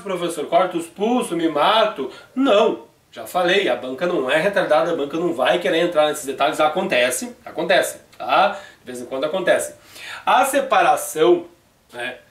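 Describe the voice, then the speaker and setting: A man's voice: a little high, reverberant, far from the mic. A Brazilian Portuguese-speaking man teaching a video grammar lesson, explaining rules step by step in a chatty way and often checking in with his students.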